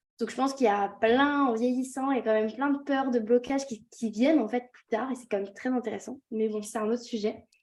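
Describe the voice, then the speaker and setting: A woman with a high voice talks at a fairly quick clip, her loudness swinging widely while her intonation stays fairly even and she hardly pauses at all. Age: 20s. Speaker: podcast host, coach. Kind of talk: casual interview conversation.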